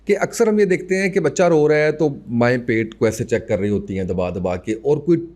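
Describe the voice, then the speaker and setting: A man's voice: medium pitch, lively intonation, darkish tone. A man hosting a podcast interview, asking long, explanatory questions. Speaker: podcast host.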